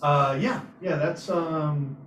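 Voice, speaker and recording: A man's voice: fairly high pitch, fairly even intonation, slow, fairly bright tone, a little hiss or hum. A man giving an informal presentation at a club meetup, telling anecdotes and acting out his own reactions. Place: meeting room at a hybrid club meetup. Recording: echoey room, distant mic, muffled sound.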